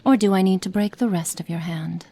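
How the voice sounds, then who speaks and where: A woman voicing a cruel, cold witch experimenting on a captive in an ASMR roleplay, speaking slowly and menacingly and slipping into soft whispers. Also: mid-range voice, husky.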